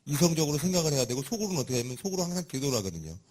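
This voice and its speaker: A man preaching a sermon in a lively, conversational and humorous way, with a husky voice. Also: a little high, rapid-fire, slight background noise.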